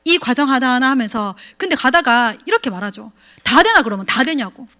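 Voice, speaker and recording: Woman, 30s, team leader, motivational lecture, high voice, very animated pitch, acts out voices. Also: brisk. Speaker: network marketing leader giving a lecture.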